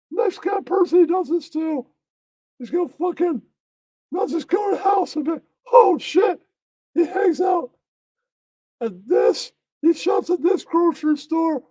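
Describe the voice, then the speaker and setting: A man voicing a high-pitched, giggly puppet heckler who gleefully taunts and insults in a puppet show. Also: animated, slow, pauses often, mellow, dry recording, studio quality, heavily acted. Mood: taunting, worked up.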